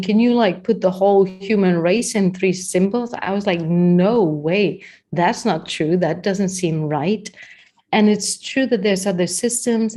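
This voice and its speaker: Slow-talking Danish woman teaching. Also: mid-range voice, a little mellow. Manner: unhurried, chatty, with many fillers and restarts. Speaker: body language coach. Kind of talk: live-streamed workshop talk.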